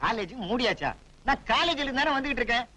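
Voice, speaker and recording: An actor playing an irritated passer-by on a bicycle, exasperated and scolding. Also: male voice, very high-pitched, lively intonation, quick pace, sharp tone, heavily acted, poor audio.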